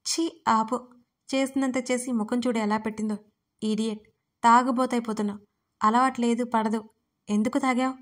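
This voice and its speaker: Gruff young husband read by a woman, flat and scolding, for an audio storybook. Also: fairly high pitch, moderate pace, pauses often, natural voice. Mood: stern scolding. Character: stern, impatient young husband.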